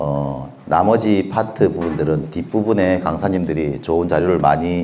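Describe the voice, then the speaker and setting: Amid noticeable background noise and audible room echo, a man with a strong Gyeongsang accent speaks at a fairly slow pace, his very deep, low pitch showing ordinary variation. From South Korea, Gyeongsang region. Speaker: pig farming consultant. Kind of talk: seminar lecture. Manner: frequent filler hesitations.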